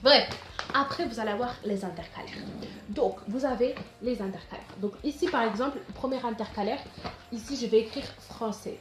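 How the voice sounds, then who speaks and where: A woman's voice: fairly high pitch, moderate pace, noisy background. Chatty teenage girl, echoey room. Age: teens. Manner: chatty, rambling, lots of restarts and fillers. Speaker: vlogger. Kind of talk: casual back-to-school tips vlog.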